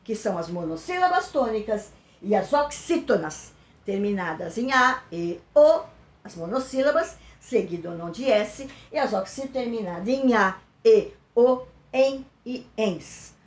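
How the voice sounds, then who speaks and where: A woman teacher with a São Paulo Brazilian accent explains a lesson for pupils slowly and patiently, repeating key words and checking in with her listeners. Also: high-pitched, reverberant. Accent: Brazilian Portuguese, São Paulo.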